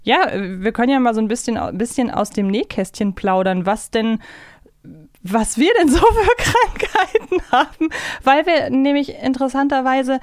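A woman's voice: high voice, moderate pace, no room sound, studio quality. A woman chatting casually as a podcast co-host.

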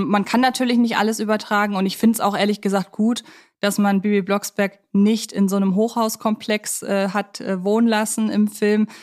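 A young adult woman co-hosting a podcast, discussing films casually in a reflective, explanatory way. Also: mid-range voice. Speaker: podcast co-host.

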